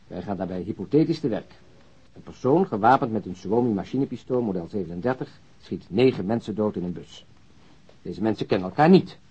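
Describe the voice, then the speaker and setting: An actor playing a dry, reasoning senior homicide detective in a radio crime drama, deliberate and expository, with a husky voice. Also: male voice, lowish voice, lively intonation, warm tone. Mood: dry, analytical. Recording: muffled, dull radio drama recording.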